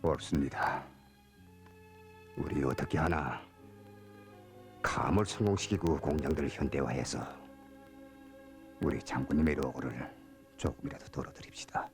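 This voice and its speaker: Earnest, very deep-voiced North Korean party secretary. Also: male voice, normal speed, long pauses, soft background music. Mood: resolute. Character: earnest middle-aged male party secretary, considerate and encouraging. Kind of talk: North Korean film drama acting.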